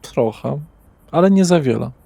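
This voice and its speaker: A man's voice: on the high side, animated, normal speed, vocal fry, dark tone, husky, no room sound. A man running a tabletop role-playing session as game master, narrating on the fly. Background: music.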